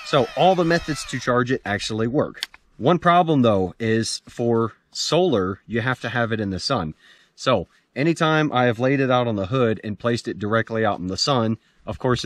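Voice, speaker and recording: A man's voice: medium pitch, a bit bright. American man, forties, outdoor gear reviewer, casual, informal delivery, no echo. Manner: plain-spoken, informal. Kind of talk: casual product review to camera. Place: outdoors in a dirt clearing among pines.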